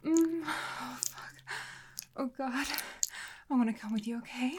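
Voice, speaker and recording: Breathy whispering young woman, slow. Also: high voice, a little hiss or hum. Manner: soft, drawn-out, murmuring delivery. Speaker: audio roleplay performer. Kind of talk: intimate whispered roleplay.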